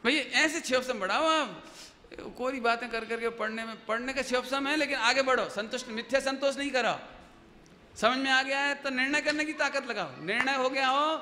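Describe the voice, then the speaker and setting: A man's voice: very high voice, normal speed. A man giving a devotional sermon to an audience, telling stories and asking his listeners questions. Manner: lively storytelling, asks the audience questions. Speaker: religious teacher giving a discourse. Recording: long hall reverb with faint background noise.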